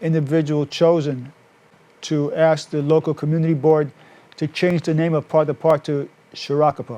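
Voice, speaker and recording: Speaking in a Bronx accent, a man with a fairly high-pitched voice and a dark, mellow tone delivers his words with monotone, flat intonation. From New York City, the Bronx. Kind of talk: interview.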